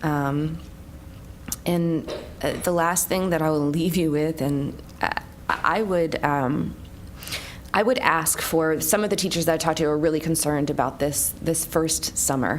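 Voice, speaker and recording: Through noticeable background noise, a woman with a very deep, low voice speaks fairly slowly with fairly even intonation and long, frequent pauses. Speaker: school board member. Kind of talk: board meeting remarks. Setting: public board meeting. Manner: hesitant, many fillers; slow, reading from notes.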